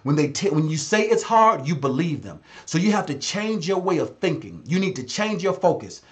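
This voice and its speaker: A man's voice: fairly high pitch, very animated, normal speed. A man in his thirties, a business consultant giving blunt, exhorting advice on a live stream and repeating phrases for emphasis. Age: 30s.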